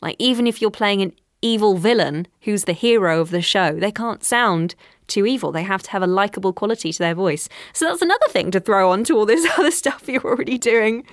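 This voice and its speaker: A woman's voice: medium pitch, animated, a little fast, dry recording. A chatty woman who works in voiceover talks through her craft in a casual interview. She laughs easily and pokes fun at herself, in a plain mid-range voice. The sound is close and dry. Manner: chatty, laughs often, self-deprecating. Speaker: voiceover artist, guest.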